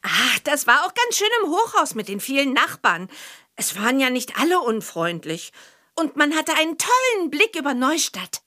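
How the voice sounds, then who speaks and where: A young witch girl from a children's radio play. The voice sits high and bright, with animated swings in pitch. The delivery is cheerful, chatty and neatly enunciated, like scripted storytelling. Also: moderate pace, heavily acted. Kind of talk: scripted children's audio drama character interview.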